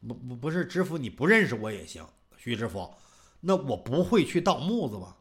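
A man's voice: medium pitch, very animated, brisk, voice pushed down. A man voicing a stammering, pleading merchant. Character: flustered wealthy young male merchant pleading innocence.

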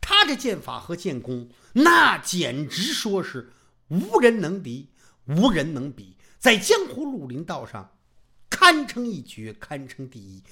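Picture a sly old hunchbacked kung-fu master who loves to needle his rivals, as a male storyteller puts him on. His voice is bright and jumps all over, from low, lazy mutters to sudden loud shouts. He teases and mocks without letup. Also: slightly rough, full character voice. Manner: teasing, mocking, bursts into shouted jokes. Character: playful, cheeky old hunchbacked martial master.

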